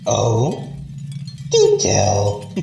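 An actor voicing a deranged, childlike and menacing carnival clown, theatrical and singsong, repeating words and breaking into shrill tones. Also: vocal fry, full character voice. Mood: sly teasing. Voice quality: shrill giggles, swooping voice. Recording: echoey, distant, loud music behind.

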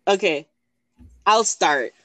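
A woman's voice: medium pitch, lively intonation, slow pace, bright, forceful tone, no room sound. A woman from Jamaica co-hosting a casual talk show, chatty and laughing often as she leads a game. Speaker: podcast co-host. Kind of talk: casual chat.

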